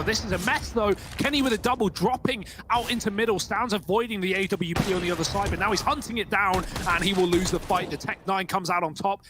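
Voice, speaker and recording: A man giving esports commentary as caster and analyst, explaining the play in a conversational way with running asides. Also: sits high.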